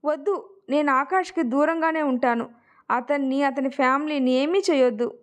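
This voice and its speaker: A woman voicing a proud, heartbroken young woman who talks back in sharp, emphatic retorts in a family storytelling narration. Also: high voice, moderate pace, natural voice. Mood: pleading.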